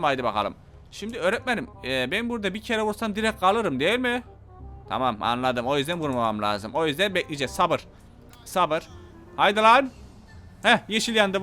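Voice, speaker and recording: A man giving casual gameplay commentary, excitable, shouting angry threats one moment and muttering calmly to himself the next. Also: sits high. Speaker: gameplay YouTuber.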